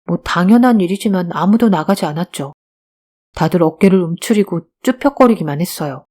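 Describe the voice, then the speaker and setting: A woman's voice: lowish voice, animated, a little fast, darkish tone. A woman voicing a bold, scrappy twelve-year-old beggar boy who talks earnestly and pleads in an audiobook drama. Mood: telling.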